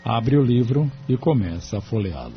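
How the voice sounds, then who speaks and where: A man narrating an audiobook in a measured, even manner. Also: medium pitch, muffled recording, background noise.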